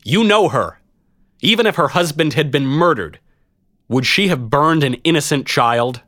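A man's voice: medium pitch, big pitch swings, normal speed, dry recording, clean studio sound, voice pushed up. Flustered reluctant knight, played by a man, swinging wildly. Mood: earnest. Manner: blustering, self-doubting, exclamatory. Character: flustered, reluctant male knight, bluffing as a hero.

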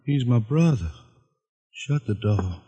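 An actor playing a curt, suspicious shopkeeper in a 1940s-style radio drama. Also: male voice, medium pitch, expressive, slow, warm tone, husky. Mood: wary. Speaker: hardware shopkeeper.

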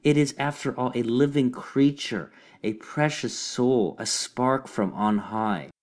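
A man's voice: mid-range voice, slow pace, lightly acted. A man voicing a sanctimonious, hypocritical white female cat in a storybook reading, talking in a sweetly preachy, cooing way. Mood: pitying.

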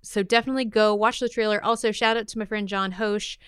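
A woman's voice: mid-range voice, fairly even intonation, fast talker, fairly bright tone, smooth, no echo, clean studio sound. A woman co-hosting a podcast in casual, upbeat entertainment chat, with an enthusiastic, playful and slangy manner. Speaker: podcast co-host.

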